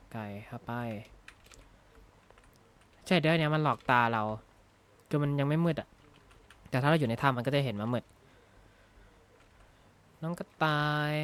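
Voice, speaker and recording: A gaming YouTuber with a medium-pitched, slightly bright voice chats casually through a Minecraft let's-play. He rambles, jokes, and thinks out loud, tossing in frequent "na ha" tags, all picked up by a close desk mic at his gaming desk.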